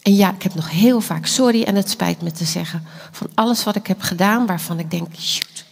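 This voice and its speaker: A woman giving an earnest, animated sermon, dropping now and then into quiet whispered asides. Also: mid-range voice, a little fast, creaky, slightly rough. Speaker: preacher. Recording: echoey hall.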